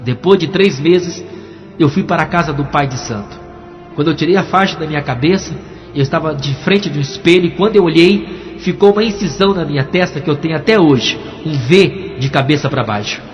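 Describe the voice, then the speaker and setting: A pastor gives his testimony with dramatic storytelling, moving between hushed and emphatic. His voice sits slightly high. It carries a long hall echo with a dull, muffled tone, and soft music plays beneath. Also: fairly quick. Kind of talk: preached testimony. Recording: echoey, dull, music underneath.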